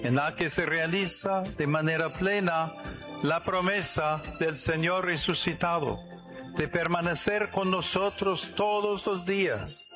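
Un hombre que lee un texto religioso de forma solemne y pausada. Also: male voice, on the high side, fairly even intonation. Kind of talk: solemn scripted reading. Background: music.

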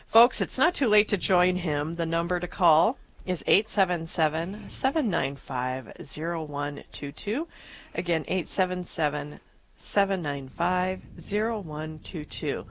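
A woman's voice: fairly low pitch, expressive, unhurried, a little hiss or hum, rough recording. A woman hosting a radio pledge drive, upbeat as she thanks donors and reads out the phone number. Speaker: radio host. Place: radio studio.

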